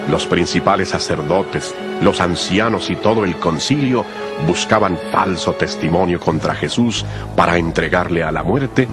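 Low-voiced male Bible narrator. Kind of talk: solemn scripted Bible narration. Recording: music behind the voice.

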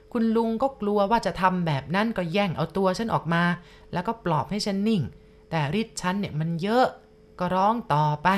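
A woman telling a first-person ghost story at a slow, confiding pace, speaking straight to the listener. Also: mid-range voice.

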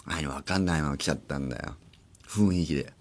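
A man in his forties, a radio host, talking in rambling casual chat with animated acted-out asides, in a studio. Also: a bass voice, rapid-fire. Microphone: studio microphone.

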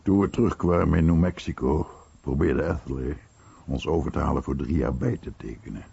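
A man playing an American war veteran in a radio play, recalling his comrade reflectively in a gravelly voice. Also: a bass voice, brisk, warm tone, full character voice. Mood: wistful reflection. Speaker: voice-over of a veteran's testimony. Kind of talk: documentary radio play monologue. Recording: dull, noisy radio recording.

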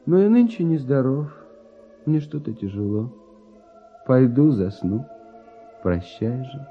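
Radio drama: lighthearted young genius composer, theatrical verse, very animated melody, unhurried, muffled old recording. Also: male voice, medium pitch, faint music behind. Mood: exalted, then weary. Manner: lyrical, theatrical verse delivery with sweeping intonation. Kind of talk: classic Russian radio drama verse acting.

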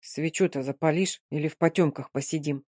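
A woman reading a novel aloud, voicing a grim Gypsy rogue with a low, hoarse voice and curt, gruff speech. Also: moderate pace, a little mellow, dry recording, clean studio sound, lightly acted. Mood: menacing calm.

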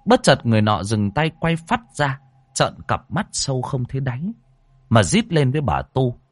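A man narrating a ghost story in a dramatic, expressive way. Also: medium pitch, normal speed, no echo.

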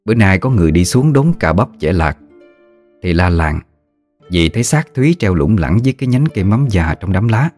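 A man narrating a ghost story in a steady, somber storytelling manner. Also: deep voice, brisk, soft background music.

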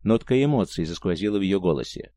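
A man narrating an audiobook in a calm, measured storytelling manner. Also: low-pitched, no room sound. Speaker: audiobook reader. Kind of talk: scripted narration.

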